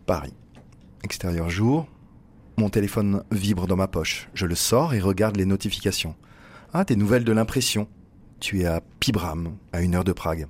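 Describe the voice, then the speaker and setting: A man reading a literary first-person text as narrator, in an intimate, measured way. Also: deep voice, slightly rough.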